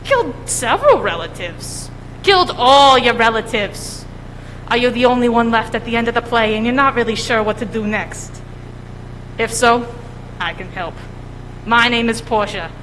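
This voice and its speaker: An actress playing a brisk legal-aid pitchwoman in a mock TV commercial, delivered in an upbeat sales tone on a school auditorium stage. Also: expressive, fairly bright tone. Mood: salesy. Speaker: stage actor. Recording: echoey auditorium, faint noise.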